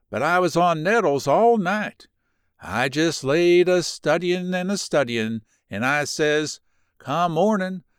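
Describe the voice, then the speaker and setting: A man's voice: sits high, a bit bright, clean tone, no echo, clean studio sound. A man voicing a folksy old rural neighbor woman who talks in thick backwoods dialect.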